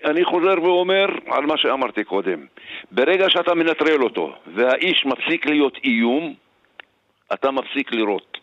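A man's voice: mid-range voice, no room sound. A retired senior police officer explains his view firmly, step by step, in a plain mid-range voice. The line is dull and muffled, with a dry close sound. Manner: firm, explanatory, measured. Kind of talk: radio interview by phone.

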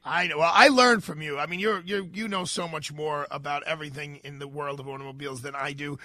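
A man's voice: a little high, fairly even intonation, fast talker, sharp tone, no room sound. A man hosting a live radio talk show, introducing and interviewing a guest with effusive energy.

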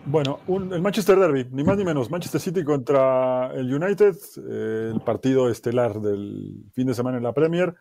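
Guy co-hosting sports radio, mellow dark voice, medium pitch, reads stuff out. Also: animated, normal speed, gravelly, few pauses. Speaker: radio co-host and message reader. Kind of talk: sports radio talk and reading out messages.

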